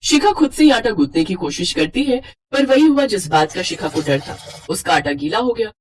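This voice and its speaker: A woman narrating an animated moral storybook in an even storytelling manner. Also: lowish voice, normal speed, slightly rough.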